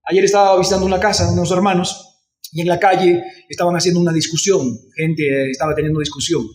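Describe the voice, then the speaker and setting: A man's voice: sits high, flat delivery, fast talker. A male pastor with a Venezuelan Spanish accent, preaching a sermon and asking the congregation questions. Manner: acts out shouting voices in anecdotes. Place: church. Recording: echoey church from far off.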